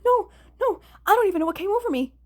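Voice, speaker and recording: A woman's voice: very high voice, animated, fast talker, pitched above the performer's own voice. A woman voicing an earnest, flustered young man, the newcomer at an agency, in a fan fiction audiobook.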